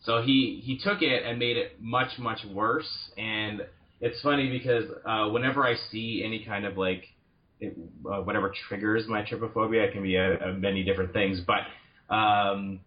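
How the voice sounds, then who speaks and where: A man's voice: lowish voice, fairly even intonation, moderate pace, lo-fi sound. A man talking as a podcast guest, rambling and restarting his sentences. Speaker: comic book writer guest. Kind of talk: casual podcast chat.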